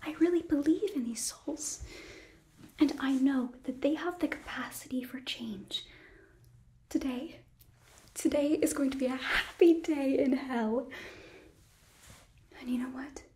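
A young woman voicing a sweet, earnest demon princess in an ASMR roleplay, breathy and often whispering, with nervous, eager optimism. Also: high-pitched, measured pace, pauses often, a little mellow. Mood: hopeful. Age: young adult. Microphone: close microphone.

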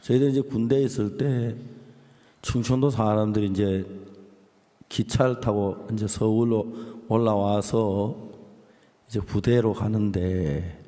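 A man's voice: fairly low pitch, unhurried, warm tone, long reverb tail. An older man with a Gyeongsang accent, preaching a sermon and telling folksy jokes after reading scripture. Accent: Gyeongsang Korean. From Gyeongsang region, South Korea. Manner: folksy, joking storyteller. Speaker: pastor.

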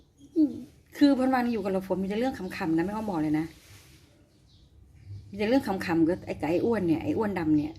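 A woman's voice: medium pitch, expressive, brisk, pauses often, warm tone, slight background noise. Chatty teasing woman talking to her pet. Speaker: pet owner vlogger. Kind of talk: casual chat to her pet.

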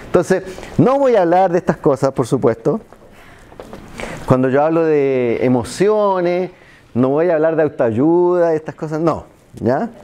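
A middle-aged man from Chile, his voice mellow and slightly high, lectures a seated class in a projector-equipped seminar room. His style is conversational, with a "¿ya?" after almost every point and jokes at his own expense. He holds a microphone and is filmed from far away.

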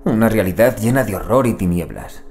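An actor playing an anguished, loyal investigator who dreads cosmic horror, in a theatrical, brooding audio drama monologue that swings between outburst and muttering. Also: male voice, lowish voice, expressive, a little fast, a little mellow, a little hiss or hum. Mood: anguished, fearful.

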